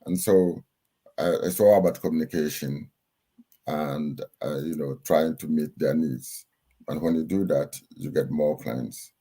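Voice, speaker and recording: A middle-aged Ghanaian man with a low, mellow voice answers interview questions. He speaks in a steady, instructive way and pauses often with "um" and "uh". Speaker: guest, chartered accountant and lecturer.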